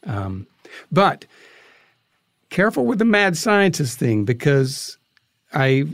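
A man being interviewed as a guest, telling anecdotes conversationally and haltingly as he thinks aloud. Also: a little high, very animated, no echo, studio quality.

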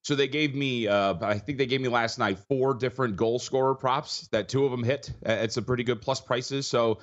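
A tired man with a husky voice, a betting analyst breaking down games quickly, rattling off stats with frequent restarts. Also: mid-range voice, fairly even intonation, highs cut off. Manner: fast, stat-heavy, with frequent restarts. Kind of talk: rapid sports betting analysis.

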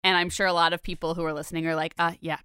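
A young woman from Connecticut, co-hosting a podcast in a chatty, animated way with lots of filler words. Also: on the low side, racing, smooth, no room sound, studio quality. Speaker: podcast co-host. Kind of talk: casual chat.

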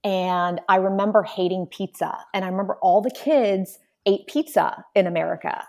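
A Polish-born woman telling stories in a relaxed interview, acting out quoted voices. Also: medium pitch, moderate pace, gravelly. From Poland. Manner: animated storyteller, acts out quotes. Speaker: guest. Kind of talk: casual interview conversation.

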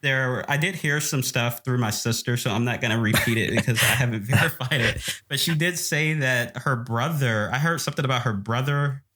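A man co-hosting a casual chat, trading gossip in a teasing, animated way. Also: mid-range voice, normal speed, few pauses.

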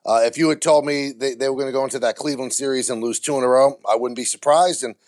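A man's voice: medium pitch, steady tone, fast talker, a little mellow. A man speaking as an interview guest, candid and blunt, with vivid comparisons. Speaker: baseball TV play-by-play announcer, guest.

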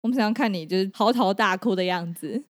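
Taiwanese woman cohost, teasing, lots of quick questions, dry close mic. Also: mid-range voice, no room sound. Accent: Taiwanese Mandarin. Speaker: podcast co-host. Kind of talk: casual chat.

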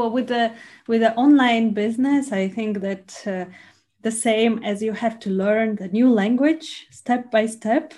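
A woman who grew up in Russia and has Russian as her first language talks as a guest in an interview. She speaks in a measured, thoughtful way. Her sentences are broken by pauses and filler words. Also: medium pitch, a little mellow. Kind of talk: conversational interview.

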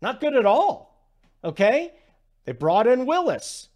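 A man's voice: very high-pitched, very animated, slow pace, darkish tone. A man hosting a sports betting radio show, talking in an emphatic, casual way and often asking "okay?".

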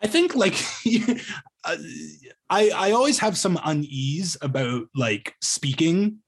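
A man in his thirties from Ontario, a journalist talking about his career in a casual interview over a video call, pausing often with ums and restarts. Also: high voice, expressive, slightly rough. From Ontario, Canada. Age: 30s. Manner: hesitant, many ums and restarts. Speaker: journalist guest.

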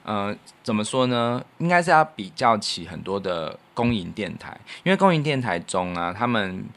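A man's voice: fairly low pitch, sing-song, normal speed, fairly bright tone. A man with a Taiwanese Mandarin accent, co-hosting a podcast in a casual, reflective chat. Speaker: podcast co-host and radio producer.

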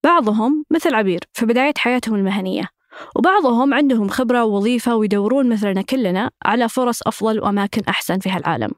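A woman narrating a documentary podcast in a measured storytelling manner. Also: fairly high pitch, no echo, studio quality. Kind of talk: scripted narration.

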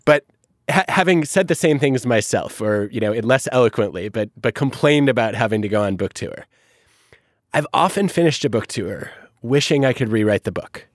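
A man's voice: medium pitch, lively intonation, moderate pace, dry recording, clean studio sound. A man hosting an interview, asking questions with enthusiastic praise for his guest. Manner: enthusiastic, warmly complimentary questioning. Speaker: podcast host and interviewer. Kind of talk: interview conversation.

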